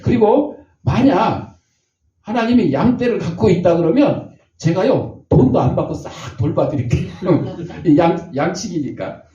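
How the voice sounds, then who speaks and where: Older male pastor, folksy sermon storyteller, lively pitch, dark tone, heard from afar in a roomy hall on a lo-fi recording. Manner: folksy storytelling, acts out voices. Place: church sanctuary. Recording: echoey, distant, dull church recording.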